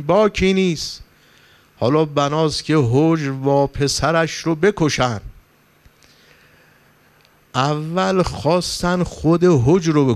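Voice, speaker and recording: A man delivers a sermon as a cleric, his slightly high voice clear and resonant. He tells stories with passion and climbs to emphatic, pleading peaks. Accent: Persian, from Iran. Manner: impassioned storytelling, rising for emphasis. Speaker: cleric preacher. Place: religious gathering hall.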